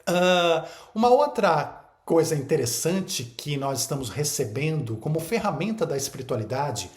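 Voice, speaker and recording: A man's voice: fairly high pitch, echoey room. A man giving a spiritual talk to an online audience, emphatic and full of rhetorical questions and repeated phrases. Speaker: spiritual teacher.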